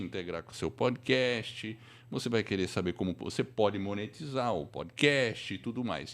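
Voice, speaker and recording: A man with a Brazilian accent hosting a conversational live show and talking directly to the audience. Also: medium pitch. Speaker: podcast host and teacher.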